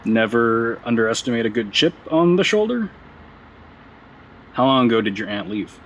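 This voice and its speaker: Actor as wry, laid-back man, mid-pitched. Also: expressive, moderate pace, lo-fi sound, slight background noise, close to an everyday voice. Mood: supportive. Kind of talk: naturalistic audio drama acting.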